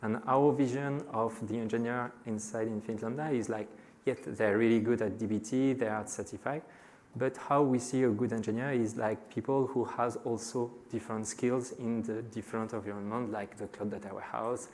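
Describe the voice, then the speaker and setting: A middle-aged man from France with a French accent, giving a conference talk to a live audience and pausing often on filler sounds. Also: mid-range voice, fairly even intonation, a little mellow. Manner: frequent hesitations with many "uh" fillers. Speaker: conference speaker.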